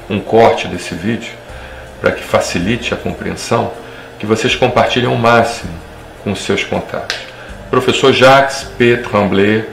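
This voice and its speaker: Gravelly low-voiced man in echoey room. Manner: emphatic, repetitive, with long lists. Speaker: doctor giving commentary. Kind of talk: impassioned video commentary. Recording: echoey room with faint noise.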